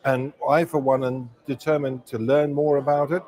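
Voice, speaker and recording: A man speaks formally and courteously, in the manner of conference remarks. His voice sits at a middle pitch. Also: flat delivery, normal speed, a little mellow, rough recording. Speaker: former politician, conference speaker.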